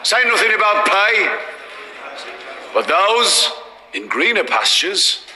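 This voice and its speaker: An actor with a Birmingham accent playing a hard, commanding gang boss turned politician, speaking slowly with long weighty pauses in a large hall. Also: male voice, high-pitched, big pitch swings, sharp tone, full character voice. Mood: cold, commanding. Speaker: political speaker addressing parliament. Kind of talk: dramatic series acting. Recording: echoey hall reverb, faint noise.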